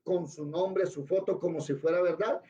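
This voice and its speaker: A man's voice: high voice, steady tone, moderate pace, warm tone, highs cut off. Colombian man teaching through a story. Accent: Colombian Spanish. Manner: conversational, checks in with listeners often. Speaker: Bible teacher.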